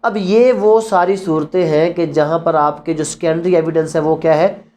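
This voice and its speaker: A man's voice: fairly high pitch, fairly even intonation, moderate pace, darkish tone. A man with a Pakistani accent giving an explanatory lecture in a didactic way, posing questions and answering them himself. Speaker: law lecturer. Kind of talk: explanatory lecture on evidence law, mixing Urdu and English.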